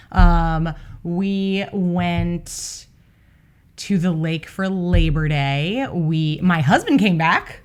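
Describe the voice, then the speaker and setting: Her fairly low voice, with ordinary pitch variation, lets a woman move at a very slow pace. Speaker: podcast co-host. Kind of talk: casual chat.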